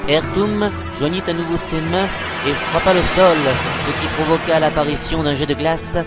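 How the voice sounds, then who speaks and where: Theatrical male narrator over loud music. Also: on the high side, fairly even intonation, normal speed. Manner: theatrical, epic storytelling. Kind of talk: dramatic scripted narration of an anime parody. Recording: amateur recording under loud music.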